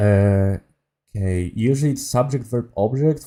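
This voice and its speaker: A man with a Polish accent, fairly low in pitch with ordinary variation and a dark, mellow tone, on a very clean recording with a silent background. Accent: Polish, fairly strong. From Poland. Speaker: streamer. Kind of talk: casual chat. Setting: live stream. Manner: halting.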